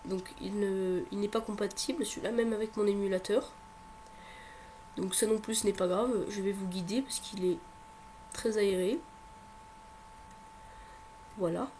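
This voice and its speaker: A man's voice: high voice, fairly even intonation, measured pace, long pauses, a little mellow. A man with a head cold walks viewers through a computer tutorial. He talks hesitantly, leaning on fillers and restarting his sentences. A faint hum sits under his voice. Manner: hesitant, filler-heavy, repeats words. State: has a cold. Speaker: tutorial presenter. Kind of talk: screen-recording tech tutorial.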